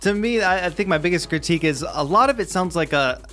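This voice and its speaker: A man hosting a live stream, chatting casually and giving conversational, softened critique of music. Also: high voice, expressive, fast. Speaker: host judging music challenge entries.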